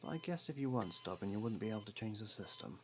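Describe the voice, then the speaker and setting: Casting: male actor for a sarcastic, guarded convict man in ASMR drama, deep voice with heavy fry, faint noise behind. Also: animated, fast, fairly bright tone. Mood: guarded, concerned. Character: sardonic, guarded jailbird man, reluctantly worried about partner. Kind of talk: ASMR roleplay, intimate dramatic monologue.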